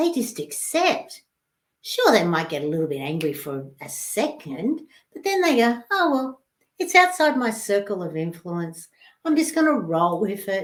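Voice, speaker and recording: This woman speaks fairly slowly in a fairly high pitch. Her pitch swings very widely and her loudness swings a lot. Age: 60s. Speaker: grief and life coach, show host. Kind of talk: solo livestream talk. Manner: animated.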